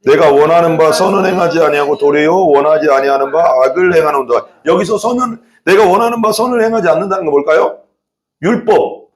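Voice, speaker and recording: A male pastor preaching an animated sermon in a church, acting out quoted prayers and voices. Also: fairly high pitch, fast, roomy sound. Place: church sanctuary.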